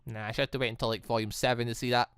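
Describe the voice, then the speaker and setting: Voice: mid-range voice, flat delivery, racing, fairly bright tone, clear, resonant tone, dry recording. A gaming YouTuber giving casual playthrough commentary in a chatty, rambling, enthusiastic way. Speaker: gaming YouTuber, let's player.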